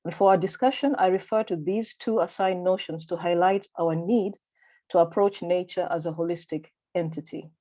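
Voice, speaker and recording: A woman with a Malawian accent presents a prepared conference paper. Her voice sits fairly low and sounds mellow and relaxed. She speaks in a measured, formal and deliberate way, like a lecture given over a video call. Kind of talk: reading a prepared academic paper.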